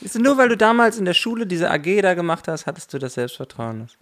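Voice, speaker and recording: Fast-talking male interview host. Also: high voice. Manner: brisk, animated, talks to listeners. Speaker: podcast host, voice actor and dubbing director. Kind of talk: casual interview.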